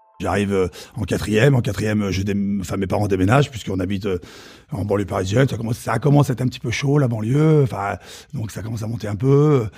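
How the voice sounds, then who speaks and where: Speaking at a very fast pace, a man with a fairly low pitch and a dark, mellow tone sounds somewhat breathy, with ordinary pitch variation. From Paris suburbs (Yvelines), then Touraine. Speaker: chef. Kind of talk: interview. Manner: halting, many fillers and repetitions.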